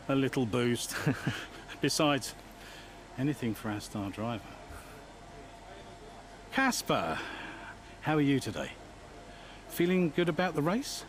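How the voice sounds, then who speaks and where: An actor playing a jovial, scheming middle-aged team boss, chummy and chuckling. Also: male voice, mid-range voice, sing-song, takes it slowly, pauses often.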